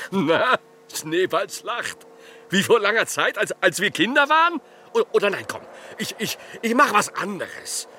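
An actor playing a weary, ecstatic medieval master scholar in a radio play, halting and breathy in his exclamations, prone to giddiness. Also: high voice, sing-song, pushed and bright, a little hiss or hum, full character voice. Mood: childlike giddiness. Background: music.

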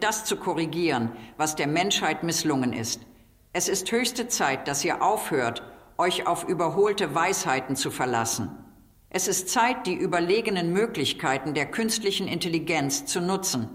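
Actress as a low-voiced, exhorting woman. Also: expressive, normal speed, lightly acted. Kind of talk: scripted declamation. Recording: long reverb on the voice.

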